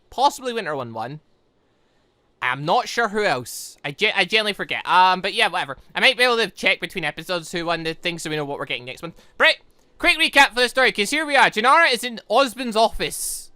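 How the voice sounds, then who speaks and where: A man giving casual, excitable, rambling commentary on a game, thinking aloud as he goes. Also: high-pitched, no room sound. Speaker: gaming channel host. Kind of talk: casual gameplay commentary, reading visual novel dialogue aloud.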